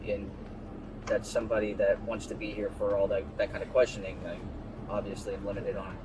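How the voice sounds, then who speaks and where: A male police investigator questioning and explaining procedure in a measured, matter-of-fact way with hesitations, recorded on a body camera outdoors. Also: on the low side, level tone, a loud crowd. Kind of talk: casual, procedural questioning during an arrest. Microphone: body-worn camera. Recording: noisy outdoor bodycam audio.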